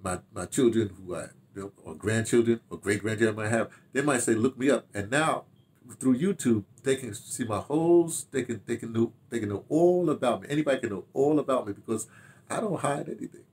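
An American man in his seventies reminiscing casually to camera in an animated, rambling way, with repeated phrases and asides. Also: mid-range voice, a little fast. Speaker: audio dramatist and theater director telling his memoirs. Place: small home study, indoors.

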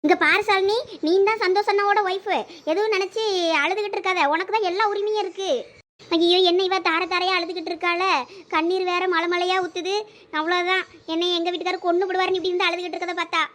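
A chatty, fretful young village wife, played by a woman in a family comedy skit. Her voice sits very high and the words tumble out fast and animated. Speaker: skit actor playing a young wife and her sister-in-law.

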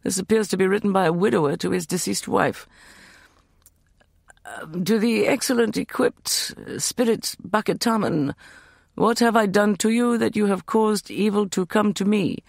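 A man voicing a learned young man who speaks in a measured, precise way in an audiobook. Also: high-pitched, vocal fry, dry recording, clean studio sound, pitched above the performer's own voice. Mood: earnest.

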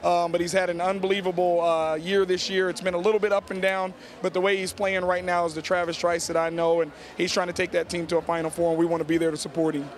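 A man's voice: high-pitched, level tone, fast, few pauses. A middle-aged American man, a basketball coach, answering in a postgame interview on a handheld mic in an arena. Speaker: high school basketball coach. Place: on the court of a large indoor arena. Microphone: handheld reporter microphone held to him.

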